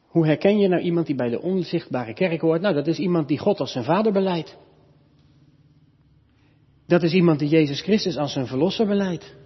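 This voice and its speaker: Preacher man, husky, echoing church. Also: on the high side. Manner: earnest teaching, rising emphatic on key points, dropping soft at ends. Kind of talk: sermon. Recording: reverberant church hall, dull lo-fi sound.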